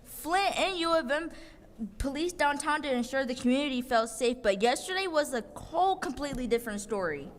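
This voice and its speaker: A woman's voice: high-pitched, animated, brisk, slight background noise. Impassioned young woman in a council chamber. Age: young adult. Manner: impassioned, accusing. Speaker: public commenter. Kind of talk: prepared public comment. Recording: long reverb of a council chamber.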